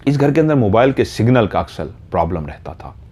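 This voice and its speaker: Low dark-voiced man telling a horror story. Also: very animated, fairly quick, breathy edge. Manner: dramatic, rises in pitch and loudness at tense moments. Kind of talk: dramatic storytelling. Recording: dull lo-fi recording.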